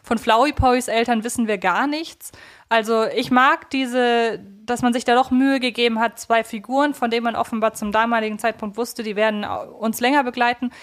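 A woman co-hosts a casual, conversational podcast, thinking aloud reflectively. Her voice is a little high and her tone steady, and she speaks at a moderate pace.

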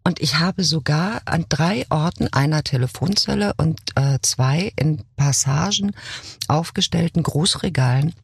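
A woman's voice: sits low, measured pace, vocal fry, husky, no echo, studio quality. A woman, an actress, chatting as a guest on a podcast and telling stories in a playful way. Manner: playful, animated storytelling. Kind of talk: casual podcast chat.

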